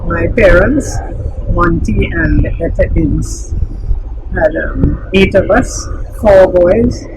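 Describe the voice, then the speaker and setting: A Trinidadian woman of about eighty, talking about her birth and family in a plain, measured way. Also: fairly low pitch, heavy background noise. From south Trinidad. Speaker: interviewee. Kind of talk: recorded interview.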